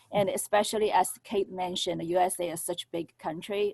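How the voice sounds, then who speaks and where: A woman with a Chinese accent speaks at a medium pitch and a fairly quick pace. The sound is dry and close, with no echo. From China and Singapore. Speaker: business owner. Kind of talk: panel discussion. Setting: video call. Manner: halting.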